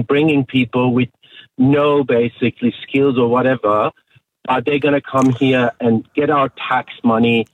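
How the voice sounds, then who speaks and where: A man originally from Iran calling in to talk radio, speaking earnestly and haltingly with many fillers. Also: medium pitch, dry recording. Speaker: caller. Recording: tinny phone line.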